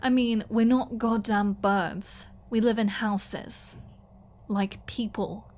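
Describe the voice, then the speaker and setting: A woman's voice: medium pitch, fairly even intonation, slow pace, darkish tone, natural voice. A woman playing a flirty, defiant captive vampire in an ASMR audio roleplay, teasing and mocking with a sarcastic drawl. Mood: bored, mocking.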